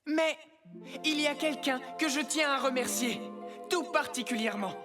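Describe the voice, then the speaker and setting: A woman's voice: high-pitched, moderate pace, over music, lightly acted. A woman playing a cocky, self-centred young superhero in a French cartoon dub, breezy and boastful. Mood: showy, boastful. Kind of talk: French-dubbed animated cartoon acting.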